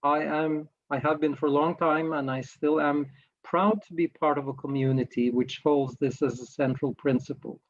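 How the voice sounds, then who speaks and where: A man's voice: fairly high pitch, steady tone, moderate pace, lo-fi sound. A man from Norway, leading a workshop in a reflective, hesitant way and often searching for words. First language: Norwegian. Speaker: workshop facilitator. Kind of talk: slow reflective workshop talk.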